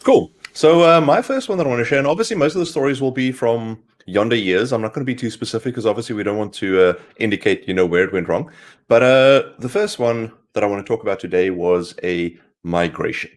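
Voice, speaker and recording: Hoarse man explaining tech stories. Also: medium pitch, quick pace. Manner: explanatory, rambling with fillers. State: hoarse from a cold. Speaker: co-host. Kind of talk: casual tech livestream talk.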